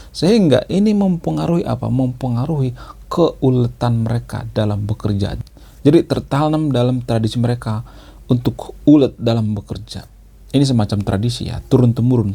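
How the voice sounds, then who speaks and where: A man explains his subject in a casual monologue, repeating words for emphasis and tagging phrases with a questioning "ya". His voice is dark and mellow with a gravelly edge. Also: mid-range voice. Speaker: channel host.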